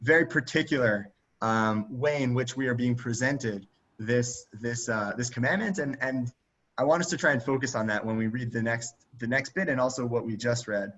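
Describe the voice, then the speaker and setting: A man's voice: medium pitch, normal speed, fairly bright tone. A man leading a group text study over a video call, talking casually with many fillers and restarts. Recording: dull, lo-fi video call audio.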